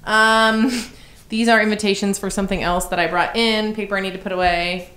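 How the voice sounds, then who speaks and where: Young woman, teacher vlogger, tired and pregnant, chatty and frank, bright voice. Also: medium pitch, fairly even intonation, fairly quick, smooth. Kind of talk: casual vlog chat. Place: classroom.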